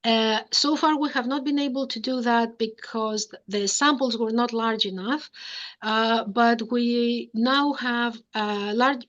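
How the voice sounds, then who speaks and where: A woman's voice: a little high, slow pace, a bit bright, dull audio. A middle-aged woman professor from Greece answers audience questions in an academic lecture, explaining carefully and thinking aloud over a video call.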